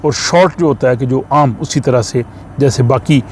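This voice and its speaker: A man with an Urdu accent explains a language lesson at an unhurried pace, pausing often on fillers. His voice sits at an ordinary middle pitch. Faint car and street noise hums behind him. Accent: Urdu-speaking. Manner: slow, explaining with many fillers. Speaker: language teacher.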